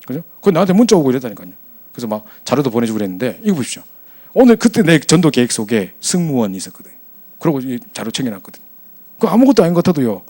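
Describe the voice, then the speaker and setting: A man preaching to young adults as their pastor, telling a story in a chatty, animated way. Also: mid-range voice, racing.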